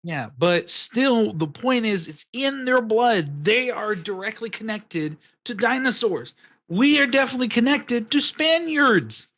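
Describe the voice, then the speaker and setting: A man's voice: extremely high pitch, big pitch swings, a little slow, a bit bright. A man co-hosting a podcast, rambling through casual, profane chat with many false starts. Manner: rambling, profane, restarts a lot. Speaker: podcast co-host.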